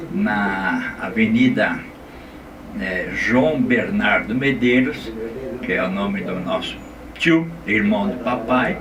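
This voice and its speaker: A man's medium-pitched voice with very wide pitch swings at a very slow pace, long, frequent pauses, audible room echo and noticeable background noise. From Guarulhos, São Paulo state, Brazil. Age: 70s. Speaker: retired teacher, interviewee. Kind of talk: interview.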